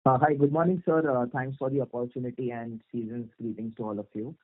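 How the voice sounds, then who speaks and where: A man with an Indian accent asking formal questions as an analyst on an earnings call, polite, measured and wordy. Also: mid-range voice, fairly even intonation. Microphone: phone call. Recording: muffled narrow phone conference line.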